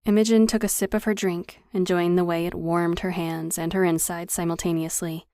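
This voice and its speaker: A woman reading a novel aloud as an audiobook narrator, measured and even, close to the mic. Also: on the low side, dry recording. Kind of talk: scripted narration.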